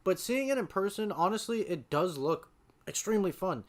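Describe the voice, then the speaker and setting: A man's voice: sits high, lively intonation, moderate pace. A man streaming a watch party, talking informally to his viewers with lots of filler words. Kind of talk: casual live-stream talk.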